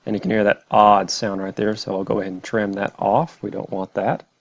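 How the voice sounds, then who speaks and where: A man narrating a step-by-step software tutorial in a plain, methodical way. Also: lowish voice, little pitch movement, a little fast, no room sound, highs cut off. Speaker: tutorial presenter.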